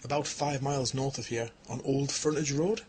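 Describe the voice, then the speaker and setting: An actor playing an earnest young English anthropologist turned Sasquatch investigator in a radio drama, speaking politely with an English accent. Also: male voice, medium pitch, steady tone, moderate pace, darkish tone, a little hiss or hum, close to an everyday voice. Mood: earnest, hesitant. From England. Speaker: Bigfoot researcher and investigator.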